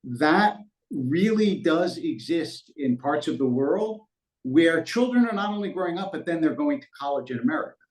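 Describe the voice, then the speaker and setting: A man's voice: on the high side, lively intonation, a little mellow. Reflective man in a roomy space. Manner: measured, reflective, tells anecdotes. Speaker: rabbi, guest. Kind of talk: thoughtful interview answers. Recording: roomy echo.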